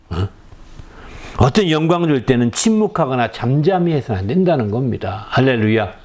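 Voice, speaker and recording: A male pastor preaching a sermon, often prompting the congregation with quick questions and shifting between soft asides and raised exclamations. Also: medium pitch.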